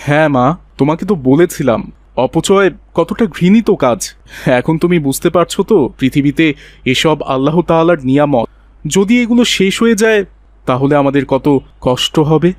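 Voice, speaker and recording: A man voicing a gentle, pious father who patiently counsels his child in an Islamic children's cartoon. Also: a little high, expressive, moderate pace, no room sound, natural voice. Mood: earnest. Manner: soothing, preachy.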